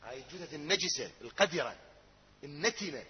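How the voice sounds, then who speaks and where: A man with an Iraqi accent reciting a religious mourning elegy, moving between spoken narration and wailing, drawn-out sung lines. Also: fairly high pitch, expressive. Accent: Iraqi Arabic. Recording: echoey hall, dull lo-fi sound.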